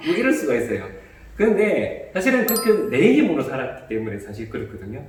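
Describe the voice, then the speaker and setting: A man, a priest, calmly explaining a bible commentary and how to meditate with it, with small restarts. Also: a little high, fast talker, very echoey, far from the mic, a little hiss or hum.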